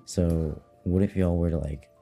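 A man's voice: low voice, fairly even intonation, measured pace, warm tone, faint music behind. A man chatting casually and informally as a podcast co-host. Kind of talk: casual chat.

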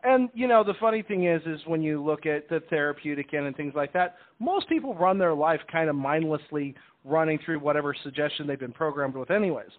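A man's voice: fairly high pitch, animated, brisk, hardly any pauses. A man explaining things in a casual radio interview, talkative, often repeating words and restarting his sentences. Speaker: stage hypnotist, interview guest. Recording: tinny phone-like line.

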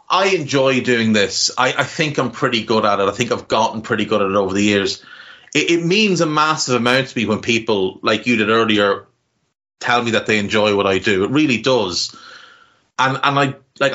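Frank bright-voiced man on a podcast. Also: on the low side. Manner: frank and earnest, swears casually, restarts phrases. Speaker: podcast co-host. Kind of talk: casual podcast chat. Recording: dull lo-fi audio.

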